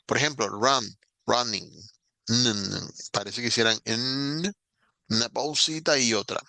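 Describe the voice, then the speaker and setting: A man walks through grammar rules in a recorded lesson. His voice is gravelly and bright, with a dry, close sound. He explains patiently and slows down to spell out examples. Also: on the low side, dry recording. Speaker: English teacher.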